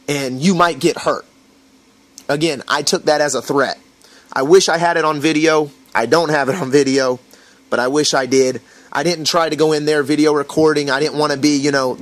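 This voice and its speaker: A man's voice: on the high side, dry recording. Indignant American man ranting to camera. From USA. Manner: rambling, frequent fillers, indignant. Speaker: vlogger recounting an incident. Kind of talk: casual storytelling rant to camera.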